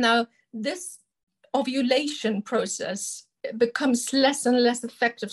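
A woman with a German accent speaks in a high pitch and fairly even intonation, recorded with a dry, close sound with no echo. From Germany. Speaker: doctor and menopause specialist. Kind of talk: interview.

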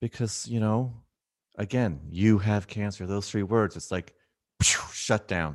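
Against a quiet background, a man with an American accent talks fairly slowly in an unremarkable speaking voice, fairly low in pitch with ordinary pitch variation. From Philadelphia, US. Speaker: oncologist and author. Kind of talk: casual interview.

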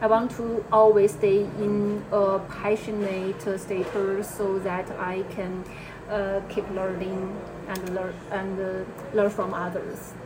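Against noticeable background noise and audible room echo, a woman with a Chinese accent speaks at a very slow pace. Her medium-pitched voice has monotone, flat intonation. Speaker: podcast co-host. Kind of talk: casual chat. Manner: halting.

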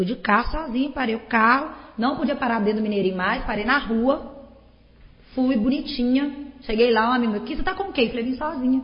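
A woman speaks loudly in a high pitch at a fairly quick pace, with noticeable background noise behind her. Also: ordinary pitch variation. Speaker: teacher and football commentator. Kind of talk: casual chat. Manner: animated.

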